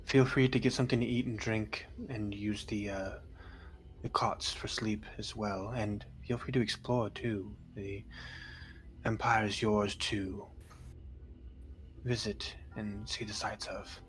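A man voicing a humble, soft-spoken male pastor in a tabletop game, talking quietly and half-whispering. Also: fairly low pitch, little pitch movement, measured pace, soft background music, pitched below the performer's own voice, lightly acted. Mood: hushed. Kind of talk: in-character role-play.

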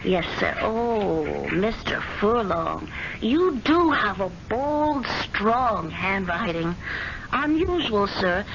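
An actress playing a pushy, self-assured young secretary in a radio drama, talking briskly and steamrolling the man she speaks to. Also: medium pitch, big pitch swings, vocal fry, a bit bright, a little hiss or hum, exaggerated voice. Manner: brisk, insistent, talks over the other. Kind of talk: 1970s radio drama acting. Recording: dull lo-fi vintage radio recording.

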